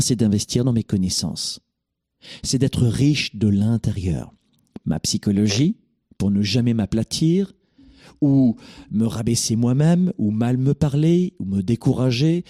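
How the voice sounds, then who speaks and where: A man's voice: medium pitch, mellow. A middle-aged man hosting a call-in coaching show, speaking in an emphatic, preachy, directive way.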